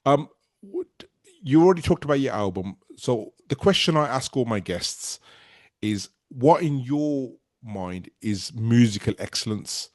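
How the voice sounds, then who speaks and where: A man's voice: medium pitch, expressive, a little slow, no echo. A man hosting a podcast, chatty and friendly, telling stories with "I says". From United Kingdom. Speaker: podcast host. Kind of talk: casual interview talk.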